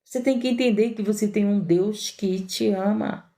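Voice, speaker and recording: A Brazilian woman preaches with fervor, hammering on repeated phrases and speaking straight to her congregation. Her voice is mellow and warm, sitting at an ordinary pitch for a woman. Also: steady tone, moderate pace. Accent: Brazilian Portuguese. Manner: fervent, repetitive preaching that addresses the listeners directly. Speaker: missionary preacher. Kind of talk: sermon.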